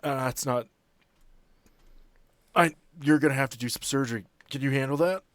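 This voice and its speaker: Wounded male lycanthrope played by a male game master, hushed and urgent, clipped pleas, very dry close sound. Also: medium pitch, moderate pace, no room sound, close to an everyday voice. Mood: urgent, pleading.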